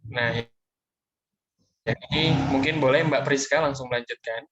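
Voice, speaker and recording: A young man of middling pitch asks his questions politely, hesitating often on fillers. His voice comes through a dull, muffled video call. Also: steady tone, a little slow, a bit bright. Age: young adult. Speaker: student interviewer. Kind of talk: casual interview on a video call.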